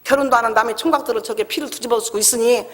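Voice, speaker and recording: A woman's voice: on the high side, fairly even intonation, racing, a bit bright. A middle-aged woman pastor giving an emotional testimony sermon in a church, acting out the voices in her story. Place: church sanctuary. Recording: echoey church hall.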